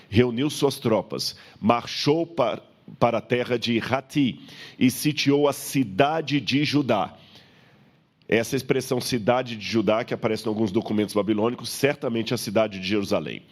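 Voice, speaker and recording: A Brazilian man preaching in an expository, lecture-like style, explaining history to a congregation and checking in with rhetorical questions. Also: lowish voice. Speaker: preacher teaching Bible history.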